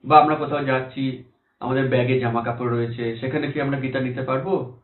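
A man's voice: mid-range voice, fairly even intonation, a little fast. A man giving a devotional talk, answering questions in an earnest, reassuring way and often asking rhetorical questions. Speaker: preacher. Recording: echoey, tinny phone-like sound.

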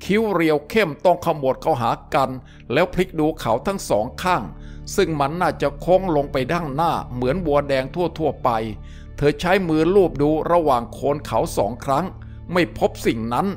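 Male storyteller over faint music. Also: on the high side. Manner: steady, descriptive reading. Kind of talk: audiobook-style story narration.

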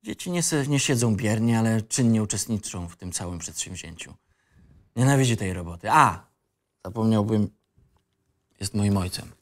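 A man's voice: fairly low pitch, expressive, moderate pace. An actor playing a disillusioned young man telling his life story in a colloquial, wry, rambling way. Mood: wry, bitter. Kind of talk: first-person narration in a screenplay reading.

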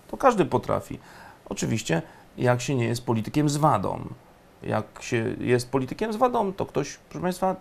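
A man giving indignant, emphatic political commentary, often pausing on fillers. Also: a little high, gravelly.

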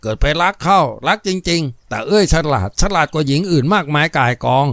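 A man reads an open, warm-hearted young man in a spoken novel. His voice is lifted well above the narration and emphatic, with a dry, close sound. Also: on the high side, lively intonation, brisk, no echo. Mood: frank.

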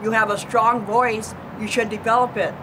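A woman's voice: a little high, little pitch movement, moderate pace. A woman in her seventies, chatting earnestly in a backyard, often repeating words as she thinks, filmed by a distant camera. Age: 70s. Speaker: neighbor answering viewer questions. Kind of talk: casual outdoor chat. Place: backyard lawn by a wall, outdoors. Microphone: far camera. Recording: outdoor noise, distant camera mic.

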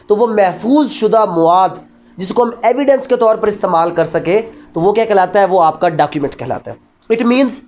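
High-pitched Pakistani man lecturing on law. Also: a little mellow. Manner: didactic, asks and answers own questions. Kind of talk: classroom lecture mixing in English terms.

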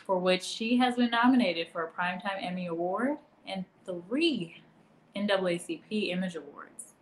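A woman in her thirties hosts a trivia quiz on a live stream, reading questions and greeting viewers by name between laughs. Her voice carries a roomy echo from a small room at home. A faint noise sits under it. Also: mid-range voice.

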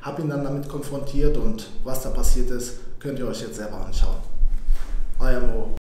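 A hoarse man vlogging casually to his camera, later loudly provoking and taunting a rival at a busy event. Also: mid-range voice, normal speed, a little hiss or hum. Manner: loud, provoking, repeats taunts. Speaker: fighter and vlogger. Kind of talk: casual vlog to camera, then heated confrontation. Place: hotel room, then crowded event hall. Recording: echoey room, loud crowd.

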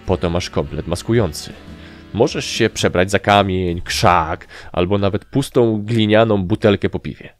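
A man's voice: low voice, moderate pace, faint music behind, voice pushed up, close to an everyday voice. A man voicing a bossy male sprite squad leader who gives orders impatiently. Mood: instructing. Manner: commanding, impatient.

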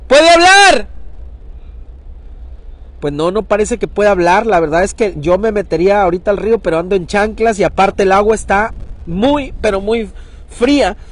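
A man reporting live from a riverbank, urgent and talking fast, sometimes calling out loudly across the water. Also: high-pitched. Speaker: local news reporter. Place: outdoors at a riverbank.

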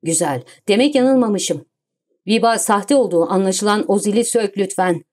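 A woman reading the lines of a suave, commanding gentleman thief in an audiobook, cool and self-assured. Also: medium pitch, animated, normal speed, lightly acted. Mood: calm, commanding.

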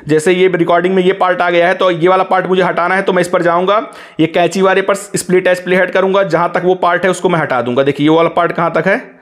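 Male tech tutor, high-pitched, rapid delivery, hands-on step-by-step voice-over. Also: flat delivery. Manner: instructive, keeps saying "look" to guide viewers. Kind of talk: screen-recorded app tutorial. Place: voice-over on a phone screen recording.

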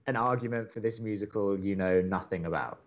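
An actor playing a young, wordy and opinionated college radio co-host in an audio drama, talking in halting conversational bursts. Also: male voice, lowish voice, lo-fi sound, lightly acted. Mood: reluctant, exasperated. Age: young adult. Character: earnest, exasperated young male college radio co-host, a theatre buff.

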